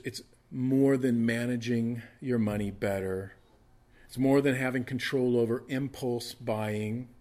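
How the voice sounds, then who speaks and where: A man's voice: mid-range voice, darkish tone. A man in his fifties preaching a casual, conversational sermon, often restarting and repeating words. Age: 50s. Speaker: pastor.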